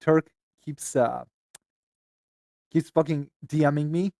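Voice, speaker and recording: A man with a slightly high voice hosts a casual stream chat. He mutters while fiddling with his screen. The mic is close and dry. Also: takes it slowly, gravelly, dark tone, no echo. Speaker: streamer host.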